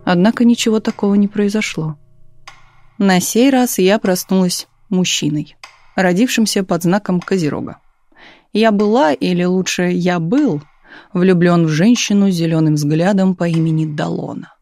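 A woman narrating a literary audiobook in a calm, measured reading style. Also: fairly low pitch, faint music behind. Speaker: audiobook reader.

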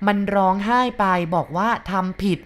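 Brief: a woman voicing a tearful, pleading middle-aged aunt for a storybook reading, voice pitched up and loud, half shouting. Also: steady tone, moderate pace, close to an everyday voice.

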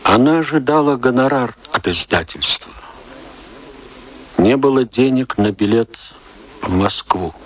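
A man giving scripted narration for a radio drama in a solemn, measured manner. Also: medium pitch, lively intonation.

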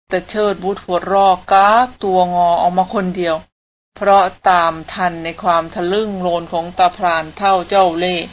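A woman reading a novel aloud as an audiobook narrator, in an even, steady storytelling manner. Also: on the low side, slight background noise.

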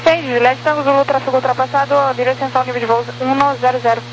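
A woman's voice: high voice, level tone, fast, music in the background. A woman with a Brazilian accent giving air traffic control instructions over the radio. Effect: aviation radio. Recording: noisy humming aviation radio link.

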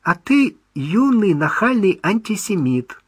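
A man's voice: unhurried, husky, no room sound, exaggerated voice. A man putting on a doting older mother. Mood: doting, anxious. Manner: high, lively, doting and teasing. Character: older woman, fussy loving mother on the phone.

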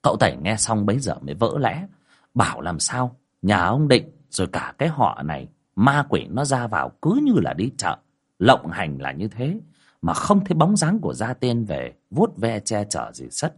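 A man's voice: on the low side, huge pitch swings, moderate pace, husky. A man narrating a ghost story in a dramatic manner, voicing the characters' dialogue.

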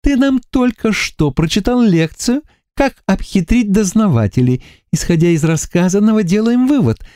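A man's voice: high-pitched, sing-song, normal speed, dark tone, no room sound, studio quality, pitched above the performer's own voice. A man voicing a stern young woman police lieutenant who scolds and gives orders in an audiobook. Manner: bossy, scolding, commanding.

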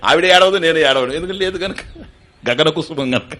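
A man's voice: fairly high pitch, a little fast, pushed and bright. An older man giving a spiritual discourse, explaining step by step, often asking his listeners questions and slipping in English terms. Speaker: spiritual teacher. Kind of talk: Vedanta discourse to an audience.

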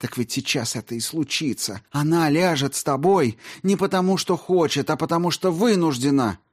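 A man voicing an angry young princess who hisses and shouts in contempt, reading a storybook scene. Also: mid-range voice, normal speed, husky, pitched above the performer's own voice, close to an everyday voice. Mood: furious. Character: furious young woman, a princess, scornful.

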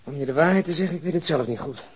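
A man's voice: fairly high pitch, racing, slight background noise, natural voice. A man playing a persistent police detective in a Dutch radio drama, questioning a bereaved woman bluntly and insistently. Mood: probing.

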